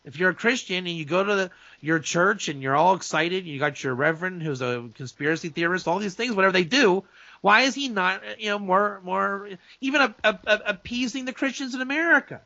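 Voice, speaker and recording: A man's voice: high voice, a little fast, bright, forceful tone, dry recording, highs cut off. A man, a rabbi, talking in a casual, opinionated talk-show chat, emphatic and full of restarts and asides. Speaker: rabbi and guest speaker.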